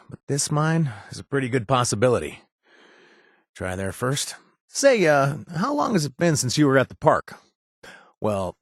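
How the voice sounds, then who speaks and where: A man's voice: mid-range voice, no room sound, studio quality. An actor voicing a wisecracking young male ex-chem user from the wasteland, talking with lots of hesitant fillers and self-mocking jokes in scripted video game lines. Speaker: game companion character.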